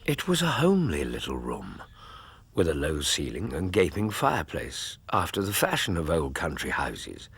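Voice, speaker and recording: Male actor as Dr Watson: measured Victorian narrator, low and lively. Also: gravelly, slightly rough, exaggerated voice. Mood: calm. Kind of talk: audio drama narration.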